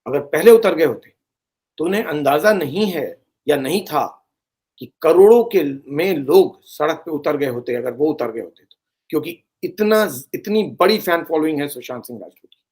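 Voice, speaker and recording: A man's voice: fairly high pitch, expressive, normal speed, darkish tone. A man giving earnest, pleading commentary to his audience, slipping English phrases into his talk. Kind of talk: earnest direct-to-camera commentary.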